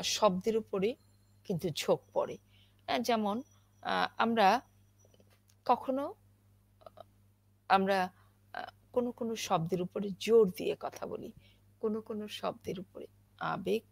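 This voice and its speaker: A woman giving a spoken lesson on poetry recitation, explaining slowly with many pauses and fillers. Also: medium pitch, gravelly. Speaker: recitation teacher.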